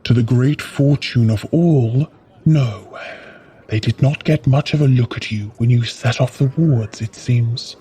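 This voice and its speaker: A slow, stern giant of the palace. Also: male voice, mid-range voice, mellow, breathy edge. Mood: measured, guarded. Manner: formal, commanding, measured. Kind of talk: audio drama acting.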